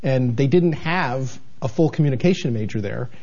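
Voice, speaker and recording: A man in his sixties from New England tells his story in an earnest, meandering way, stopping to restart his sentences. His voice is mellow and dark. The recording sounds a little dull and muffled. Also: medium pitch, animated, normal speed. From New England, United States. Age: 60s. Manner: earnest, rambling, with many restarts and fillers. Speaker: television station manager, guest. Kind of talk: candid interview conversation.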